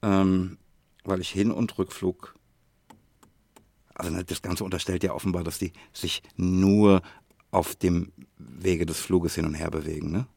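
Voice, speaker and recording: A man co-hosting a podcast in casual chat, thinking aloud in a deliberate way. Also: low-pitched, fairly even intonation, gravelly, darkish tone, no echo. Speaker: podcast co-host.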